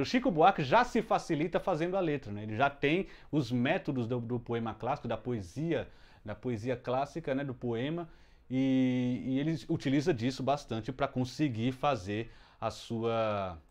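A man's voice: medium pitch, darkish tone. A man in a mid-range voice gives a casual music lesson from a room at home. He explains step by step, often restarting words and adding fillers as he goes. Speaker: music teacher. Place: room at home with the window closed. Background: children heard from outside.

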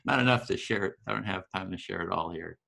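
A man's voice: low-pitched, gravelly, pushed and bright. Earnest man on a video call. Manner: earnest, enthusiastic, halting restarts. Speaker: host of empathy circle series. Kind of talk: casual video call discussion.

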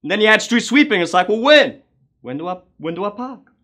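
Man playing a high-pitched, awkward chatty driver. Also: big pitch swings, a little fast, pushed and bright, heavily acted. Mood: eager, awkward. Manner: nervous small talk, repetitive, stop-start. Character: awkward, chatty, overeager male rideshare driver. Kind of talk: comedy character monologue.

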